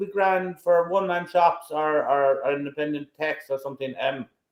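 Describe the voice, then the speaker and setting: The speaker is a man with an Irish accent. He talks at a moderate pace. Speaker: computer repair technician. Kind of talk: live show talk.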